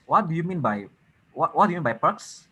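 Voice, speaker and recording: A man's voice: on the high side, big pitch swings, brisk, fairly bright tone, husky, low-quality recording. A man moderating a competition's judging panel over a video call, upbeat and encouraging.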